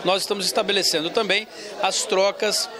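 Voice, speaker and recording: A man's voice: high voice, steady tone, fairly quick. Formal male official amid a crowd. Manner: formal, listing details. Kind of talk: interview statement.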